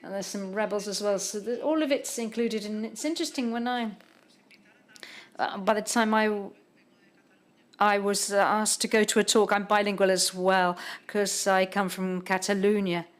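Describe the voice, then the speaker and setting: A woman interprets a literary panel talk on the fly, speaking at a middling pitch. She talks haltingly, pausing and restarting as she searches for the words. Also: steady tone. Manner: halting, many pauses and restarts.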